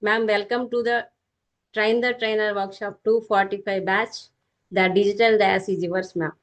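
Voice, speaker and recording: A woman's voice: medium pitch, fairly even intonation, very slow. A woman with a Telugu Indian accent gives a prepared, formal introduction as a workshop host, addressing her audience with some English mixed in.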